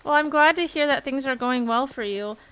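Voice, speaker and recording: A woman in her twenties streaming a game. She chats casually and gushes with bubbly excitement. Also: high voice, a little fast, low-quality recording. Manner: bubbly, gushing, chatty. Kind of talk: casual gameplay commentary.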